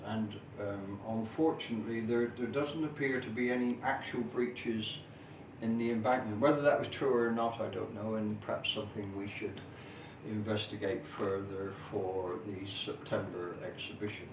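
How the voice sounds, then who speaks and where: A middle-aged or older man giving an informal, detailed explanatory talk as a local history presenter, in measured, formal phrasing with hesitant pauses. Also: fairly low pitch, fairly even intonation. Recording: echoey, noisy room, distant camera microphone.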